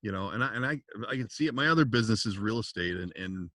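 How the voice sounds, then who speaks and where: A man's voice: lowish voice, animated, fast talker, pushed and bright, dry recording, studio quality. Easygoing male podcast host. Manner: easygoing, agreeable interviewer with short responses. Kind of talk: casual podcast interview.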